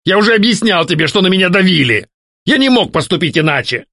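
A man's voice: high-pitched, sing-song, fast talker, dry recording, pitched above the performer's own voice, exaggerated voice. A jealous, hot-headed ghost of a husband, voiced by a man reading a story. He rants and begs in a raised voice that swings wildly up and down. The recording is dry and close. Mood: sulky. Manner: shouting, petulant, pleading. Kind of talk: audiobook character voicing.

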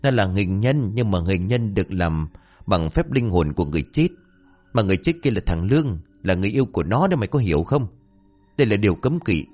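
A man voicing a gruff, worried older village father who lectures urgently. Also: fairly low pitch, sing-song, quick pace, a little mellow, faint music behind. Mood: alarmed.

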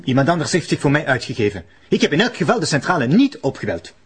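Indignant Flemish jeweller, high-voiced. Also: male voice, big pitch swings, fast talker, slightly rough, full character voice. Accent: Flemish, sprinkled with French. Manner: bursts into French exclamations, indignant. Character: excitable, indignant male jeweller mixing French and Dutch. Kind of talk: radio drama acting.

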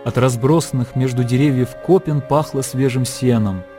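A man narrating a classic story in a measured, calm way. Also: medium pitch. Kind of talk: scripted literary narration. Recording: narration over background music.

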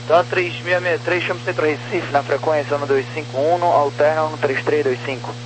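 A man's voice: a little high, steady tone, brisk. A man working as an air traffic controller, giving clipped, procedural instructions over aviation radio. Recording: humming, noisy aviation radio.

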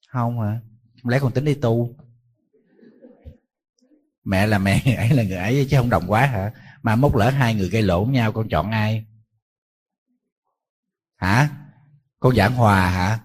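Monk, mid-pitched husky voice, preaching with teasing stories and questions. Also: male voice. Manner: lively storyteller who teases and quizzes his audience. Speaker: Buddhist monk. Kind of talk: dharma talk sermon.

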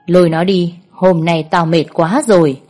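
A woman voicing a ruthless young male crime boss who speaks calmly and curtly, in a storybook reading. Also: on the low side, a little slow, soft background music. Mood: cold. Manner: calm, curt and commanding.

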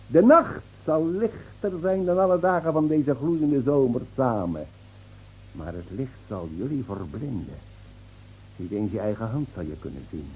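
An actor in a Dutch radio play playing a mocking, defiant old village drunk who foretells doom with theatrical scorn. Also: male voice, medium pitch, lively intonation, a little slow, lo-fi sound, a little hiss or hum, natural voice. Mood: ominous, gloating. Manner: taunting, theatrical, scornfully laughing.

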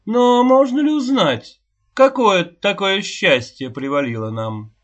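A woman's voice: medium pitch, lively intonation, slow, pitched above the performer's own voice. A man voicing a distraught peasant mother who is sick and bitter, pleading and wailing. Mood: sullen. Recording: dull lo-fi recording.

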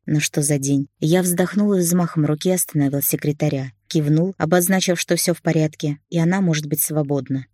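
A woman narrating an audiobook in a steady, expressive storytelling manner. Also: sits low, dry recording, studio quality.

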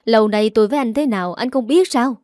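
A woman reading a story and voicing a gentle wife who pleads with her drunk husband. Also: fairly high pitch, quick pace, no echo, studio quality, close to an everyday voice. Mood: pleading. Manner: pleading, hurt. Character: gentle, wronged young wife.

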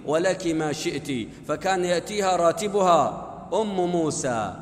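Guy preaching in a mosque, high voice, tells the story with drama, lots of echo. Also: lively intonation, normal speed. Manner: dramatic storytelling, voicing the characters' lines. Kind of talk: Friday sermon storytelling. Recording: echoey hall, long reverb.

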